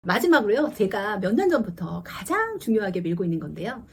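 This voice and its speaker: A woman in her forties, a teacher and mother, talking earnestly to camera about parenting and acting out quick exchanges with her child. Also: medium pitch, very animated, a little hiss or hum. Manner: earnest, confiding, acts out dialogue with her child. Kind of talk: casual parenting talk to camera.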